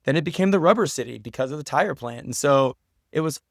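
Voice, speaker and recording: An American man with a slightly high voice gives a conversational interview. He explains things earnestly, like a documentary director telling a story, and repeats phrases for emphasis. The sound is fairly dry and close. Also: lively intonation, fast talker, dry recording. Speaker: podcast guest, documentary director.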